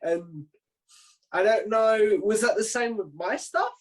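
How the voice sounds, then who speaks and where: A man's voice: high-pitched, slow pace, low-quality recording. A man hosting an interview in a casual, chatty style. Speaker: host interviewing a podcaster.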